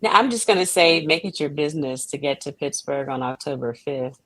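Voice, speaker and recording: A woman's voice: sits low, lively intonation, fairly quick. A woman guest talking conversationally in an interview, earnest and emphatic. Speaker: playwright and director, guest.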